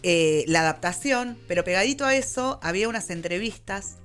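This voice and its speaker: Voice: mid-range voice, animated, fairly quick, fairly bright tone. An interviewer with an Argentine accent chatting informally and enthusiastically in a radio studio. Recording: music playing under the voice.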